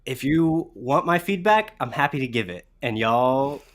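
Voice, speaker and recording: A man's voice: mid-range voice, expressive, a little slow, fairly bright tone. A man chatting casually as a guest co-host, in a playful, self-deprecating way. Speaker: guest co-host, writer and voice actor. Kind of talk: casual chat.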